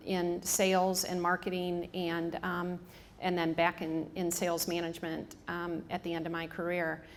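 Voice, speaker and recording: Speaking in a lowish voice before a live audience, a Michigan woman in her fifties who works on hospice staff delivers an informal public talk, her strong accent coming through amid frequent ums and restarts. There's slight background noise.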